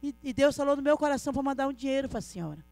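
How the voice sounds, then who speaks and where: A woman's voice: high voice, lively intonation, very fast, a little mellow, no room sound. A middle-aged woman telling her story in an emotional church testimony, earnestly addressing her listeners as brothers. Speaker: church speaker giving a testimony.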